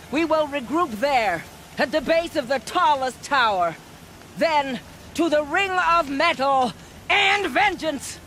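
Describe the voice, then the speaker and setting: A woman's voice: high voice, a bit bright, slight background noise, heavily acted. A woman playing a stern tribal war chief in a video game, speaking in a commanding, solemn, declamatory manner. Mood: rousing, vengeful. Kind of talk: video game dramatic dialogue.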